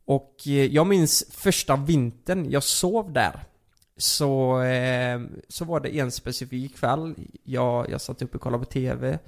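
A young man casually telling a story on a podcast, animated, with many fillers and curses. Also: mid-range voice, gravelly.

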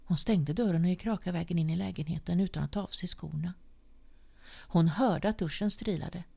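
A woman reading a short story aloud as narrator, measured and at times sinking to a whisper. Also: fairly low pitch, gravelly, warm tone, breathy edge. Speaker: audiobook reader.

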